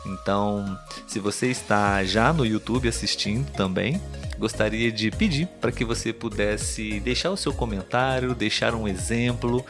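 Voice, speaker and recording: A man hosting a Portuguese lesson podcast for learners, speaking slowly and clearly, checking in with listeners as he gives examples. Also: fairly low pitch, music in the background. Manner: slow, clear teaching delivery with examples. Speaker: Portuguese tutor and podcast host.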